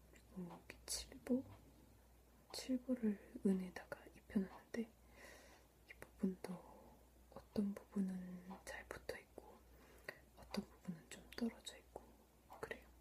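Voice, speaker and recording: Her loudness rises and falls sharply as a woman whispers very slowly. Long pauses come often. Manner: soft-spoken.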